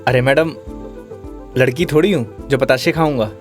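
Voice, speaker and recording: A man's voice: medium pitch, moderate pace, soft background music, lightly acted. A man playing a bossy, blunt tough guy.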